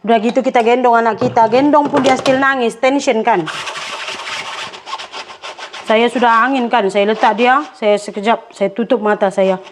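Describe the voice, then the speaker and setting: Doing housework after a night without sleep, this young woman vlogs to her audience, rambling through stories in casual chat. She speaks at a moderate pace in a slightly high, steady voice, and a faint hiss or hum sits under the audio.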